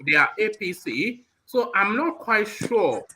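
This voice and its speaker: A man's voice: high voice, big pitch swings, measured pace, bright, forceful tone, a little hiss or hum, rough recording. A man speaking as a panelist in a live political discussion. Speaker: talk show panelist.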